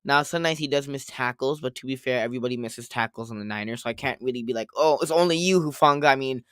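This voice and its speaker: A man's voice: mid-range voice, fast talker, fairly bright tone, smooth, no room sound, clean studio sound. Man talking football, just off a cold. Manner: rambling, repeats himself, quotes others. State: slightly hoarse from a cold. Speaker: podcast co-host. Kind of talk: casual sports talk.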